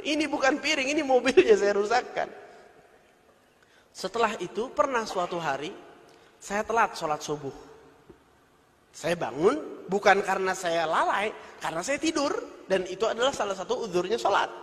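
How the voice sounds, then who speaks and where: Male preacher, high-pitched, storytelling sermon with a long reverb tail. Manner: recounts childhood anecdotes, then exhorts.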